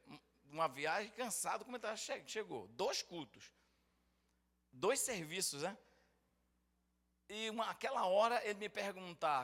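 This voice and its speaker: A man's voice: sits high, long reverb tail. A middle-aged man, a pastor and councilman, telling a story with laughter and acted-out dialogue. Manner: animated, laughing storyteller who acts out dialogue.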